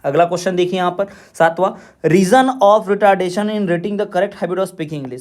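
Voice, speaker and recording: A man teaching an exam-prep lesson from his coaching class, reading English questions slowly and then explaining each one and repeating the answers. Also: high voice, a little mellow.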